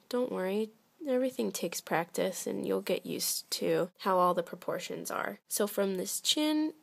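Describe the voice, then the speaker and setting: Lady with a bit of a cold doing a drawing tutorial, kinda stuffy, gravelly fry, calm and encouraging. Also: medium pitch. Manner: patient, gently encouraging. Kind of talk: step-by-step drawing instruction.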